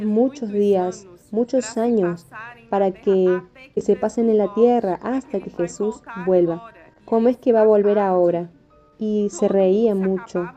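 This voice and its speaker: A woman's voice: mid-range voice, mellow. A woman narrating a religious testimony in an earnest, emphatic way, as a preacher. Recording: dull lo-fi audio with faint music.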